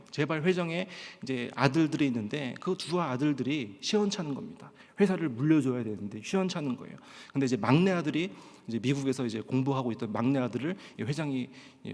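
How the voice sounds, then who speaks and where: A male pastor from Pohang in South Korea, telling stories in a sermon at a Friday prayer meeting and often filling pauses with a short "yes". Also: mid-range voice, vocal fry, a little mellow. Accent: standard Korean, trained out of Gyeongsang dialect. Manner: storytelling with frequent "예" fillers and acted-out quotes. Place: church sanctuary. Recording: long church-hall reverb.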